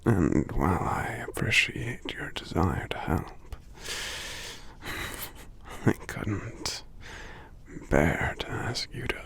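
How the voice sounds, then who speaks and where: A man playing a sick, gentle giant lover in an ASMR roleplay, murmuring drowsily and tenderly in a breathy whisper with gravelly hums. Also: sits low, expressive, heavily acted. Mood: weary, affectionate. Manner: slow, tender, halting, murmuring hums between phrases. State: drowsy, under the weather.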